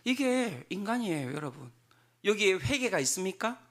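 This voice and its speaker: Man, pastor, revival sermon, church, animated delivery, high voice, acts out speakers dramatically. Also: moderate pace. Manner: acts out biblical speakers in dramatic voices, rising to loud emphasis. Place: church sanctuary.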